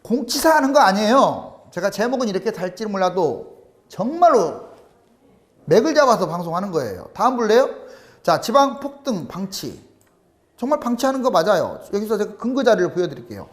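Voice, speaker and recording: A man talks alone through a series of charts, pressing his points and firing off rhetorical questions. His voice sits high for a man and swings widely in pitch as he stresses each figure. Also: sing-song, a little fast. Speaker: real estate commentator. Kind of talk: solo commentary over charts.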